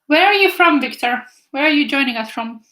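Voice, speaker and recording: Finnish lady chatting to her stream while painting, kinda high voice, echoey room. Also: expressive, a little fast, pushed and bright. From Finland. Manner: chatty, reads viewer comments aloud. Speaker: art teacher streaming live. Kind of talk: casual chat while painting.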